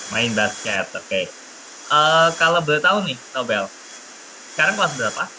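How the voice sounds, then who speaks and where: With long, frequent pauses, a man speaks in a fairly high pitch that swings very widely. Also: moderate pace. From Central Java, Kudus. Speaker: online tutor. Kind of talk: online lesson. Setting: video call. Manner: casual with frequent fillers.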